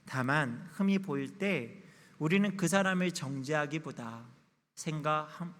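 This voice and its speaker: A man's voice: fairly high pitch, fairly bright tone. A pastor in his thirties giving a candid, confessional sermon in a church sanctuary. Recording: long church reverb.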